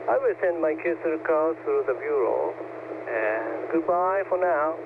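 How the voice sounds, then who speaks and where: A man with a Japanese accent answers a call over a tinny, noisy shortwave radio transmission. He speaks in measured, formal radio phrasing. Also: fairly high pitch, lively intonation. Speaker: radio show director answering a demo call. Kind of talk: scripted ham radio exchange in English. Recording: tinny radio band with static.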